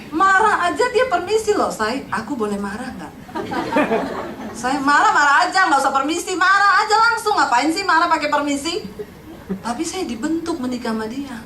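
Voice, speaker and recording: A middle-aged woman pastor from Sulawesi preaching with animated humor. She laughs often and teases her listeners, and her voice sits high. The sound is caught from a distance in an echoey church hall, with a faint hiss. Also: normal speed, crowd noise. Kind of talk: lively humorous sermon.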